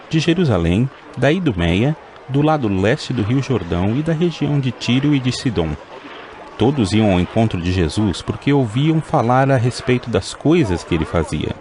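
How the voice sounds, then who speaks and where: A man with a fairly low voice narrates scripture in a steady, measured reading. Instrumental music plays clearly under his voice.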